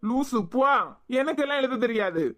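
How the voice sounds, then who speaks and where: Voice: sits high, animated, normal speed, fairly bright tone. A performer doing a curt cartoon policeman husband. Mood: dry. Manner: curt, dismissive, short replies. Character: gruff young policeman husband, curt but fond. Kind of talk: cartoon voice acting.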